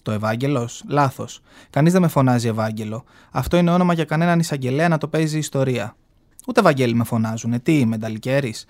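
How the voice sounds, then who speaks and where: A man's voice: mid-range voice, a little mellow, close to an everyday voice. Man reading as a brassy aging gay man, sassy, mocking, proud, novel read aloud, radio studio.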